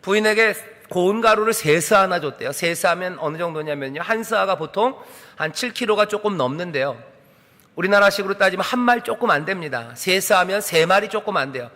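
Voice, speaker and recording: A man's voice: sits high, expressive, brisk, bright, forceful tone. A man preaching a sermon as a pastor, putting questions to the congregation and acting out biblical dialogue. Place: church sanctuary. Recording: reverberant church hall.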